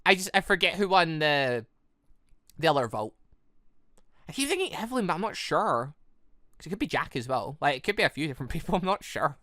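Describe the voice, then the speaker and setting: A man's voice: a little high, big pitch swings, brisk, pauses often, bright, forceful tone, no room sound, studio quality. A man giving casual, rambling let's-play commentary as a gaming host, often repeating and rephrasing himself.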